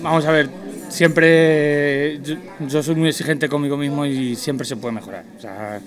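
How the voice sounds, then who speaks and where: Man in his 30s, chef interviewee; slightly high voice, halting, restaurant dining room, handheld mic. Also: fairly even intonation. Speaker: guest chef. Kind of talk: casual interview.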